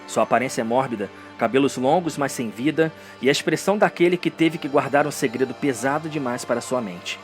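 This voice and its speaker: A man's voice: medium pitch, a little fast, hardly any pauses, faint music behind. A man with a Brazilian accent narrating a story in a solemn, theatrical, dramatic scripted style.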